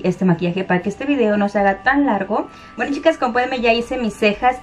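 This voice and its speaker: A young adult woman hosting a step-by-step makeup tutorial, chatting to viewers and calling them girls as she demonstrates. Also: mid-range voice. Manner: chatty, addresses viewers as "chicas", soft-spoken demonstrating.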